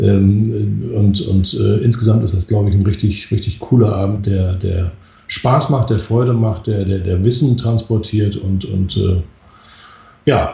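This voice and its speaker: His voice sits fairly low and carries a somewhat breathy quality. This man talks at a moderate tempo. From Lower Saxony, northern Germany. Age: 50s. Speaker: mobile DJ and event organizer. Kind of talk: livestream interview.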